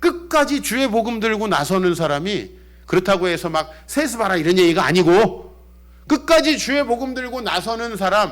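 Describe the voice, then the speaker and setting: A man with a high pitch speaks at a moderate pace in an animated tone. His pitch swings very widely. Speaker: pastor. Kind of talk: sermon. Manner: animated, conversational.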